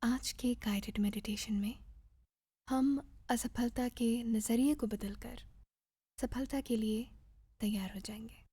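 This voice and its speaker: A woman leads a guided meditation in a soft, breathy voice. She speaks slowly and gently, leaving pauses between measured instructions. Her voice sits a little high yet stays mellow, captured close and dry. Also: steady tone, no room sound.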